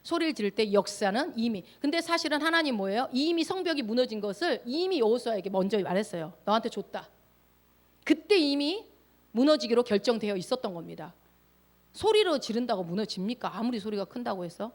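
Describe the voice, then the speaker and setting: A woman's voice: a little high, big pitch swings, brisk. A woman pastor preaching a sermon, emphatic, often putting questions to the congregation.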